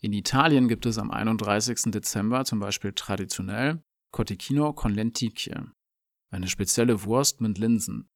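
A man presenting a language lesson, explaining in a calm, clear scripted dialogue. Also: on the low side, normal speed, dry recording, clean studio sound.

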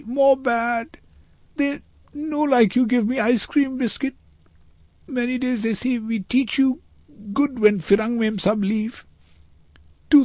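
High child's voice, acted by a man, frightened street boy, sobbing, pleading, broken English, halting phrases, audiobook character. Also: a little mellow, dry recording, full character voice.

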